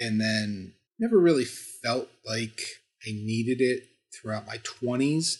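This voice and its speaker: Somewhat breathy and at a very slow pace, a man speaks with medium pitch, ordinary pitch variation and big swings in loudness. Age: 30s. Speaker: podcast guest, friend of host. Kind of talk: casual chat. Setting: remote recording, video call.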